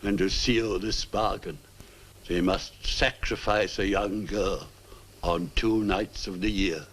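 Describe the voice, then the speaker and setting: Weary old clergyman, low and husky, measured, grave, god-fearing; vintage horror film. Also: fairly even intonation. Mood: grave, foreboding. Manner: grave, solemn, formal. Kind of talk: 1960s horror film acting.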